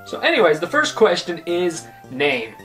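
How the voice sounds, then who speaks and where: Young man, host, slightly high voice, joking, rambling, faint guitar music underneath. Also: sing-song, normal speed, a bit bright. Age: 20s. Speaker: YouTube host. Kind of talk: casual vlog Q&A.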